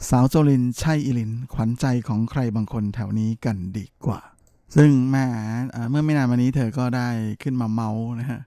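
A man's voice: medium pitch, fairly quick, mellow, dry recording, clean studio sound. A male radio host chatting playfully about entertainment news, teasing and laughing often. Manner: filler-heavy, chatty delivery.

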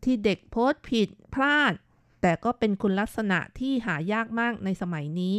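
A woman hosting a radio talk show in a studio, reading listener comments aloud with lively emphasis. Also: medium pitch, moderate pace, smooth, no room sound. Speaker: radio host.

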